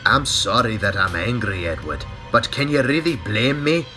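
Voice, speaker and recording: A man's voice: lowish voice, animated, normal speed, pushed and bright, faint music behind, voice pushed up. A man voicing a hot-tempered male steam engine, in a strained, raised delivery. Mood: agitated.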